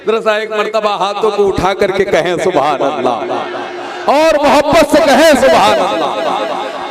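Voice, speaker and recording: Man, high-pitched, slow and measured, stirring crowd responses, sing-song verse recitation, loud crowd behind. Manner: rousing, urges the audience to respond aloud. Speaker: religious event host reciting poetry. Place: large gathering with a loud crowd.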